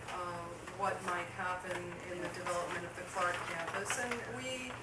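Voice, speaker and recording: Noticeable background noise runs beneath a woman's voice. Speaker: neighborhood resident and organizer. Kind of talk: community meeting presentation. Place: meeting room. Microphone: camera far.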